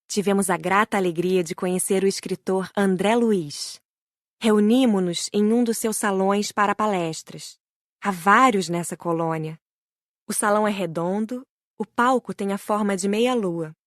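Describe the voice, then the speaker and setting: A woman with a Brazilian Portuguese accent reading a spiritual book aloud as a first-person narrator, gentle and admiring. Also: medium pitch, measured pace, no echo, clean studio sound. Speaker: audiobook narrator.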